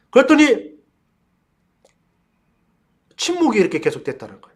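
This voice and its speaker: A middle-aged man, a pastor and professor, teaching a seminar in a storytelling way, speaking straight to his listeners. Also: fairly high pitch. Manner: storytelling, addresses listeners directly, bursts into loud commands. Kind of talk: teaching seminar on casting out spirits.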